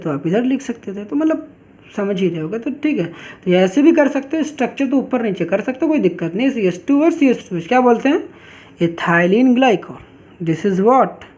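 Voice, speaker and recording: A woman teaching a chemistry class, who keeps asking questions and answering them herself and drags out key terms slowly. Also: fairly high pitch, warm tone. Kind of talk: online class lecture. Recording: dull lo-fi recording.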